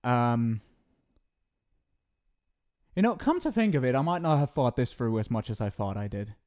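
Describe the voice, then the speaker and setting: A man's voice: mid-range voice, lively intonation, normal speed, a little mellow, close to an everyday voice. A man playing an exasperated ghost soulmate. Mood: sheepish fumbling. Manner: scolding, exasperated, swears a lot; flustered, stumbling restarts when explaining. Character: exasperated male ghost soulmate back from the afterlife. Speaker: ASMR roleplay performer. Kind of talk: ASMR roleplay.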